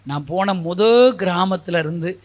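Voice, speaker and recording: A high-pitched male preacher delivers a sermon with fervent conviction. His voice rises into loud, pleading prayer as he leads the congregation. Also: fairly even intonation, normal speed. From Tamil Nadu. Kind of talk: sermon with altar-call prayer.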